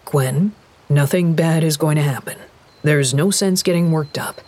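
A woman voicing a calm, firm middle-aged father in a lowered, steady, soothing voice. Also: a little slow.

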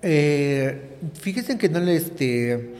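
A woman's voice: deep voice, lively intonation, extremely slow, mellow, a little hiss or hum. Trans woman, interviewee, rambling and earnest, recorded with hall reverb. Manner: earnest, rambling with many fillers. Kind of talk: candid personal testimony.

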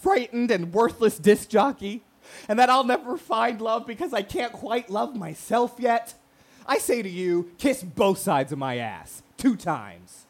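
An actor playing a brash, wounded, proud gay radio talk show host in an emphatic, profane, theatrical monologue. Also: male voice, sits high, animated, a little slow, exaggerated voice. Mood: indignant, impassioned.

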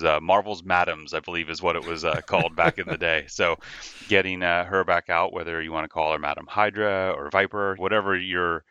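A man talking as a guest on a podcast, explaining a toy design in a relaxed way with many fillers. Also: sits low, smooth, no echo, lo-fi sound. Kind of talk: casual podcast interview.

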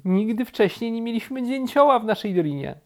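A woman voicing a calm, gentle female bear in a storybook, speaking in a mild, thoughtful way. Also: on the high side, fairly quick, pitched above the performer's own voice.

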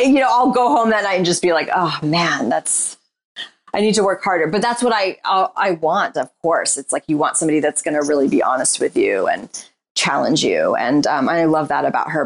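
A woman guest, a writer and performer, talking candidly and reflectively in a casual interview, often pausing on "like" and "you know.". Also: low-pitched. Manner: describes herself as shy and introverted.

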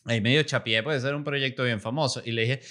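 A Venezuelan man, a comedian and podcast host, telling a lively, salty anecdote in casual chat. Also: medium pitch, fast. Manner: lively anecdote-telling, salty language, acts out quoted voices.

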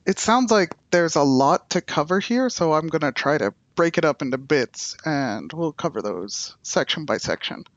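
A man's voice: a little high, expressive, normal speed, few pauses, no echo, highs cut off. A man hosting a podcast, introducing guests and putting questions to them. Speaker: podcast host.

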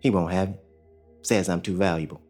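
An actor in an audio drama playing a young enslaved father who talks in a calm, plainspoken drawl. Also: low voice, brisk, faint music behind. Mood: steady. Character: young enslaved male father, steady and hopeful.

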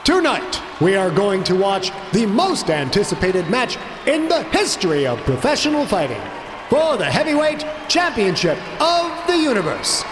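A man voicing a male ring announcer who stretches and shouts his words to hype a crowd. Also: high-pitched, wildly swooping pitch, moderate pace, noisy background, pitched above the performer's own voice. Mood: hyped. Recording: roaring crowd behind.

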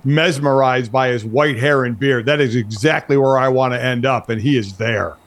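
A man's voice: medium pitch, normal speed. A man co-hosting a casual sports discussion, repeating words as he reasons things out. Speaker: sports talk co-host.

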